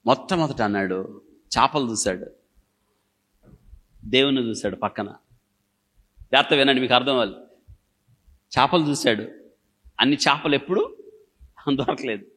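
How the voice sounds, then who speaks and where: A man's voice: medium pitch, moderate pace, pauses often, a bit bright, husky. A male pastor preaching a sermon in short bursts, firing repeated questions at the congregation and telling everyday stories to make his point.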